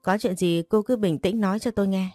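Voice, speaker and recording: Lady voicing a cocky teasing young husband, mellow low-key voice, dry sound. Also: fairly even intonation, fairly quick, no echo, faint music behind, lightly acted. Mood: firm. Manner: teasing and bossy.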